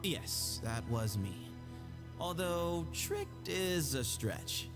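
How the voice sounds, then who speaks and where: A man's voice: a little high, big pitch swings, very slow, exaggerated voice. An actor playing a sly, smug young man in a video game, teasing and evasive as he talks. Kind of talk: video game cutscene dialogue. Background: game music.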